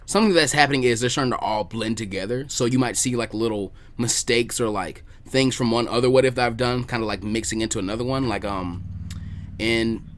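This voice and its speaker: A man's voice: medium pitch, brisk. A man hosting a casual podcast chat, talkative and informal, repeating words as he thinks aloud. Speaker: podcast host, video creator.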